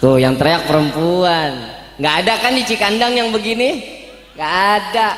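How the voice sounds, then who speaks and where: With a Jakarta accent, a man speaks in very wide pitch swings over noticeable background noise and audible room echo. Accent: Betawi. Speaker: Islamic preacher. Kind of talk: humorous sermon. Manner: animated; casual slangy.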